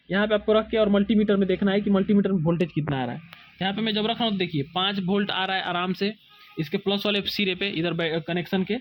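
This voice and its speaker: A man's voice: sits high, dull audio, a little hiss or hum. A man from India explaining a phone repair step by step at his workbench, often pointing out what to look at carefully. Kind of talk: hands-on repair tutorial.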